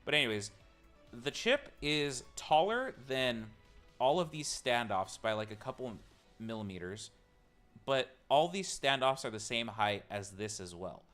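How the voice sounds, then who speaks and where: A man's voice: mid-range voice, big pitch swings, a little slow, a bit bright, faint music behind. A man streaming as he builds a robot, chatting casually and teasing himself while he tinkers. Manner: rambling, self-mocking, talks to chat while tinkering. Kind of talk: casual live-stream chat while working.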